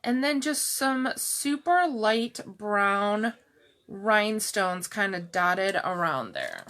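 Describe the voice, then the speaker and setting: A middle-aged woman with a calm, soft-spoken voice, chatting slowly through a live jewelry showcase and answering viewers by name. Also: medium pitch. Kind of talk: slow live-stream product showcase chat.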